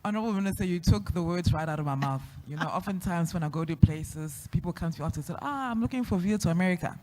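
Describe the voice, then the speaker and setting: A woman with a South African accent, an outgoing panelist sharing her career journey with quick laughs. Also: lowish voice. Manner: extroverted, lively, quick to laugh. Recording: echoey hall.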